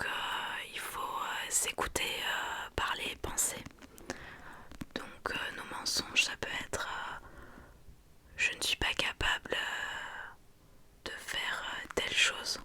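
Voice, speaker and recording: A woman gives an ASMR talk entirely in a soft library whisper. Her delivery is very unhurried, with hesitant pauses as she explains. The voice stays breathy and unvoiced. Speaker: ASMR creator.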